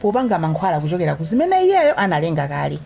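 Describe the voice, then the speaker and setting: A woman's voice: lowish voice, huge pitch swings, rapid-fire, vocal fry, warm tone, full character voice. A Malawian actress playing a playful, outspoken young woman who advises a friend in a radio drama, chatty and emphatic. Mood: teasing, reasoning. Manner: chatty, teasing, explains emphatically, laughs often. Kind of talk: radio drama dialogue in Chichewa with some English. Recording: music under the dialogue.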